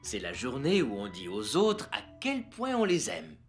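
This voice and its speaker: An actor playing a patient, playful father in a children's cartoon dub, gently explaining things to a child. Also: medium pitch, huge pitch swings, a little slow, soft background music. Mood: gentle, cheerful.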